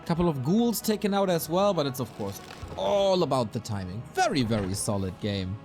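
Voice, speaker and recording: Male esports caster, slightly raspy, higher-pitched, very animated delivery, with game music behind him. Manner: excitable, quick bursts of praise. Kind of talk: play-by-play game commentary.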